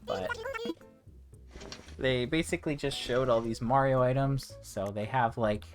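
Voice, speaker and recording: A man's voice: medium pitch, unhurried. A man streaming a game, chatting casually in a rambling, ranting way with many restarts, interrupted by hiccups. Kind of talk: casual livestream chat while playing. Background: game music.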